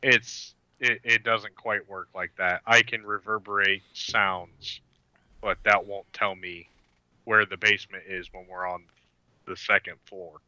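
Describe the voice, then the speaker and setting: Bright-voiced male player, muffled mic. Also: on the low side, steady tone, unhurried, dry recording. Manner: direct, reasoning aloud. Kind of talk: tabletop game play, casual chat.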